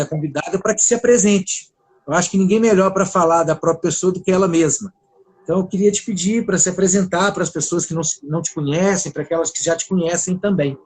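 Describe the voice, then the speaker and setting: A man with a high, husky voice hosts a live online conversation. He speaks in a friendly, measured way, often starting with small hesitations before he invites his guest to talk. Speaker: host, mediator. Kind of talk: casual live interview.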